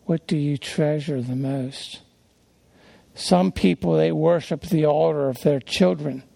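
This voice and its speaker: A middle-aged pastor with a soft-spoken, folksy way of talking, preaching a sermon that wanders through personal stories. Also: male voice, a little high, unhurried, vocal fry, husky, no room sound.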